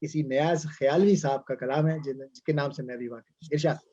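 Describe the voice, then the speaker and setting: Mellow male host, dull audio. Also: mid-range voice, fairly even intonation, a little fast. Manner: polite, ornate phrasing. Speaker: master of ceremonies. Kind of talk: courteous formal event hosting. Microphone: online video call. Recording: dull, muffled online-meeting audio.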